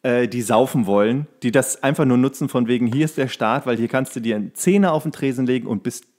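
A man's voice: medium pitch, quick pace, a little mellow. Casual, joking man chatting. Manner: colloquial, joking, acts out quotes. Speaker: podcast co-host. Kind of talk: casual chat, bar anecdotes.

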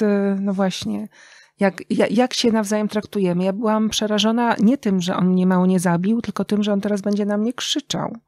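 A woman speaking as an interview guest, reflective and conversational, with thoughtful, halting phrasing and pauses. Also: medium pitch, darkish tone, dry recording. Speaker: interview guest, writer and radio journalist.

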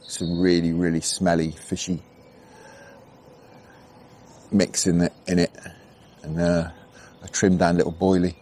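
Deep-voiced man chatting on a canal bank. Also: unhurried, pauses often, slight background noise. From England. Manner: relaxed, chatty, thinks aloud with fillers. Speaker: angling vlogger. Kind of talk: casual commentary while fishing. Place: outdoors on a canal bank at dawn. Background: birdsong and insects.

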